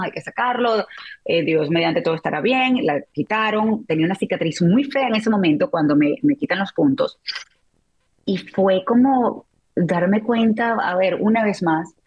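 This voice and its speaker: A woman's voice: lowish voice, breathy edge, highs cut off. A middle-aged woman, an interview guest, telling a personal story in a candid, reflective way with frequent restarts. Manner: candid, reflective, emotional retelling with many restarts. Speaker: interview guest, journalist and author.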